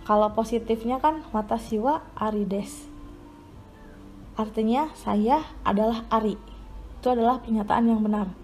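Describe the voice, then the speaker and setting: A woman walks through grammar examples one at a time, in a slightly high voice. She repeats each point patiently and checks in with her listeners as she goes. Faint background music plays beneath the lesson. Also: normal speed, a little mellow. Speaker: Japanese language teacher. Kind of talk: explaining grammar step by step.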